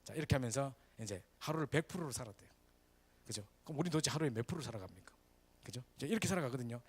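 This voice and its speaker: A man's voice: medium pitch, very fast, breathy edge. A male pastor, preaching a sermon in a church and often checking in with the congregation. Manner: lively, animated preaching with frequent "그죠?" asides to the congregation. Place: church sanctuary.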